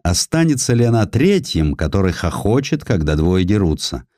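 A skeptical, gruff British warship commander from an audio history drama, voiced by a man. The voice is low and highly animated, recorded dry and close. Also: moderate pace, no echo. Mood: gloomy.

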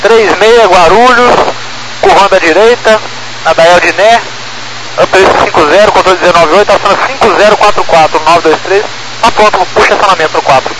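Male Brazilian pilot, high-pitched, procedural radio calls under heavy static. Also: fairly quick. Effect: aircraft radio. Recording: very noisy aircraft radio transmission.

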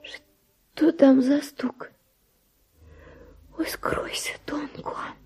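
An actress playing an anguished, wavering, tender woman in a radio verse drama, breathy and often dropping to a whisper. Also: high voice, flat delivery, drawn-out words, a little mellow, soft background music, exaggerated voice. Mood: alarmed. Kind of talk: classic Russian radio drama acting of verse.

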